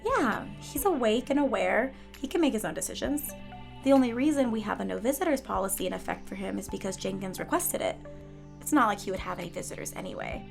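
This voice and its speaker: A woman's voice: medium pitch, lively intonation, fast, gravelly, faint music behind. A woman playing a sly, helpful hospital nurse in a fiction podcast, self-assured and teasing. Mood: conspiratorial.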